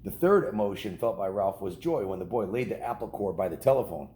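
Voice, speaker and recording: A man's voice: on the low side, lively intonation, brisk, mellow. A middle-aged American man talking casually and reading aloud as a dad hosting a story video for kids. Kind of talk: casual home vlog chat and read-aloud storybook narration.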